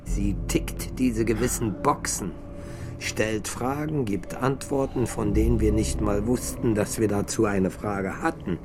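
A man acting an earnest barfly philosopher with a fairly low voice. He rambles with pompous poetry in a radio drama, music clearly playing behind him. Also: a little slow, lightly acted. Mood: rapt, earnest.

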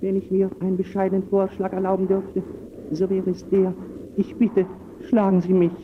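An actor playing a meek, deferential factory servant who speaks humbly and formally in an old radio drama. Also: male voice, high-pitched, monotone, normal speed, close to an everyday voice. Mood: submissive, pleading. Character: meek, deferential Chinese male factory foreman under a master. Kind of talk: 1920s German radio play acting. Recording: muffled, noisy old radio recording.

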